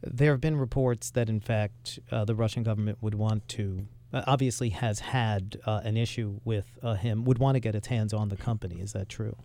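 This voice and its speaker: A man hosting an interview, asking probing questions in a halting, conversational way. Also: fairly low pitch, steady tone, gravelly, warm tone. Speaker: interviewer, host.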